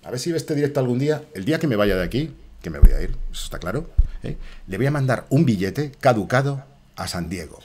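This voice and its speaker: Excitable, swearing Spanish man streamer. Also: medium pitch, quick pace, slight background noise. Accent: Spain Spanish. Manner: profane, excitable outbursts, talks to enemies and chat. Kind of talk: live gameplay commentary.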